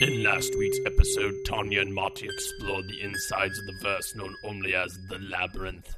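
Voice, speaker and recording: Over loud background music, a man talks at a moderate pace in a fairly low pitch, with hardly any pauses. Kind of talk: old-time radio drama announcer. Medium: audio drama. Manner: measured, dramatic.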